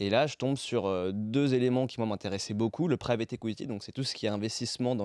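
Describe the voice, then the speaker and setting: A man talks at a fairly quick pace in a dark, mellow tone. His voice sounds dry and close, without echo. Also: quiet background. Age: 20s. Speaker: crypto entrepreneur. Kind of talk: casual chat. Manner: halting.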